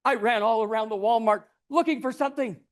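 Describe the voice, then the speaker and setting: A man giving a theatrical storytelling speech in a dramatic, deliberate manner, acting out the characters as he goes. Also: extremely high pitch. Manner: dramatic, deliberate delivery with acted-out voices. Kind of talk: theatrical tall-tale speech.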